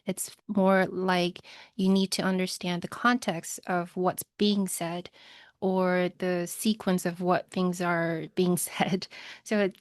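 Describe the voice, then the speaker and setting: A woman from Taiwan whose first language is Mandarin, answering interview questions in a measured, explanatory way. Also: on the low side, clear, resonant tone, dry recording, clean studio sound. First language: Mandarin Chinese. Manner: measured and explanatory, light laughs. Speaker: guest, legal recruiter.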